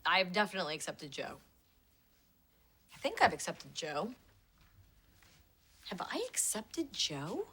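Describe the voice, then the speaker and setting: An actress playing a flustered, wisecracking woman who is quick to defend herself, in a broad sitcom style. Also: on the low side, breathy edge, exaggerated voice. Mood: wary. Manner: animated, defensive, wry.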